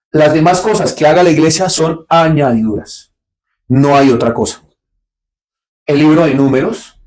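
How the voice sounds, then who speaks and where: A man preaching a Bible study sermon. He asks rhetorical questions and answers them himself, dropping low for asides and rising sharply on his points. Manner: swings between low, quiet asides and sharp, raised points. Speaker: pastor.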